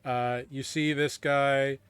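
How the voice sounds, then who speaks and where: A man running a tabletop game as game master, narrating casually in halting, improvised descriptions. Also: medium pitch, little pitch movement, a bit bright, smooth, no room sound.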